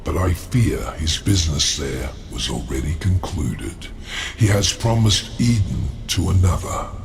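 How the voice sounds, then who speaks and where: An actor playing a proud, scheming demon lord in a video game, with a gravelly voice and an imperious, theatrical manner. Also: male voice, low-pitched, expressive, unhurried, big-room sound, background noise, exaggerated voice. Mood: grave, commanding. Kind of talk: video game cutscene acting.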